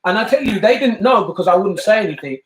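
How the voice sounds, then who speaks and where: A man's voice: sits high, animated, quick pace, echoey room, slight background noise, rough recording. An older man with a British accent, talking earnestly and emphatically in a casual family discussion, often repeating himself for emphasis. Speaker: bishop and family talk host.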